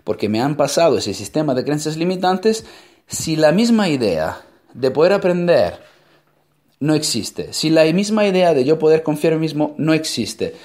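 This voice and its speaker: Expressive Italian man speaking Spanish. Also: fairly high pitch, normal speed. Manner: expressive, emphatic, rhetorical questions. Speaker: motivational speaker. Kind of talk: motivational talk.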